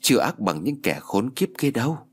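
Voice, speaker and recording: A man's voice: mid-range voice, sing-song, normal speed, husky. A man voicing a scheming, vengeful older village woman who taunts and gloats in a spoken story. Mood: gloating.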